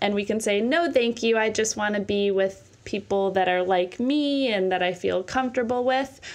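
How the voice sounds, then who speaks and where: At a moderate pace, a woman talks in a plain, everyday voice with fairly high pitch and ordinary pitch variation. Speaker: podcast co-host. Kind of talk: casual chat.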